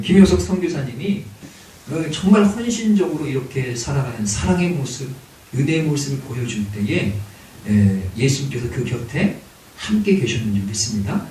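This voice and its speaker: A man's voice: medium pitch, dark tone. A male pastor preaching a sermon, emphatic, with exclamations and rhetorical questions. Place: church sanctuary. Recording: very echoey church hall, distant mic, hiss.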